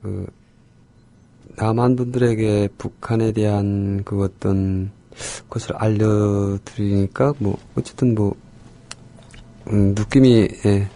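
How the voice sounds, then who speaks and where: A man with a strong North Korean accent, a guest speaking hesitantly and haltingly. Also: fairly low pitch, steady tone, dark tone. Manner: hesitant, halting, shy laughs.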